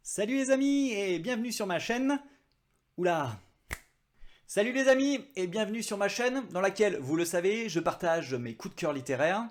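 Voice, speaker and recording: A man talks through his favourite reads in a relaxed vlog, his voice sitting a little high for a man. He keeps it chatty and throws in self-mocking asides. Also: moderate pace. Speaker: book vlogger. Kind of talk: casual book review vlog.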